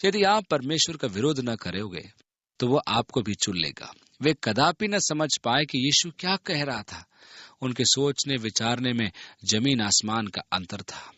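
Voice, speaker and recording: A man reads a Bible passage and explains it in an earnest, expressive way, his pitch rising and falling freely. His voice is bright and forward with a husky edge. The recording is dry and a little muffled. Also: measured pace, no room sound. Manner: earnest, expressive reading that voices the people in the story. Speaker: Bible teacher. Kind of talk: Bible reading and commentary.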